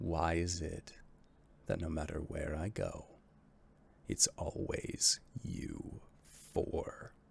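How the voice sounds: In a put-on character voice, a man booms at a very deep, low pitch and a very slow pace.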